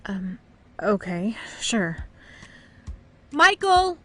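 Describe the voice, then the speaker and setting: A woman's voice: medium pitch, measured pace, a bit bright. A woman playing a skeptical wife and mother who keeps asking questions and laughs lightly.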